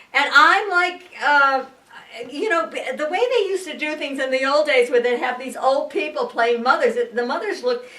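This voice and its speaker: A woman's raised, projected voice, high in pitch, lively in intonation and moderate in pace, over noticeable background noise. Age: 70s. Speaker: actress. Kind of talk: casual chat.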